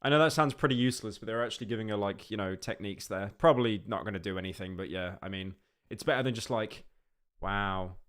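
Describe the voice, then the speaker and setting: A man's voice: on the low side, fast talker, fairly bright tone, clear, resonant tone. A man streaming live, chatting casually and rambling as he reacts to videos and talks to his chat. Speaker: livestreamer. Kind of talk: casual livestream reaction commentary.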